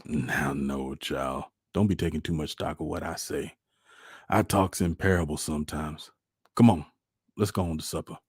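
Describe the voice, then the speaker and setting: A man as a deep-voiced, folksy Southern country father. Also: fairly even intonation, normal speed, slightly rough, dry recording, studio quality. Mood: gentle. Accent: rural Southern US. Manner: folksy, consoling, plainspoken. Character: gentle, wistful country father of a small boy.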